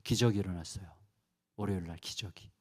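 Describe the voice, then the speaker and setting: A middle-aged man preaching at a revival service, telling a personal story that swings between loud urgency and hushed confession. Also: sits low, quick pace. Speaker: pastor.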